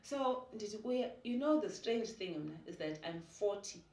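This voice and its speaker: A woman's voice: mid-range voice, expressive, moderate pace, a little mellow. A woman in her forties with a South African Xhosa accent, a podcast guest talking animatedly and switching between Xhosa and English. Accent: South African, Xhosa-speaking. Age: 40s. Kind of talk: casual conversational interview. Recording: echoey room, mic at a distance.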